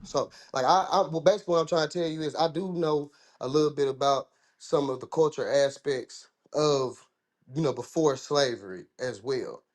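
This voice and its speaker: A man's voice: on the high side, normal speed. Rambling Southern American man. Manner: rambling, restarts often, informal speech. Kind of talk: casual discussion.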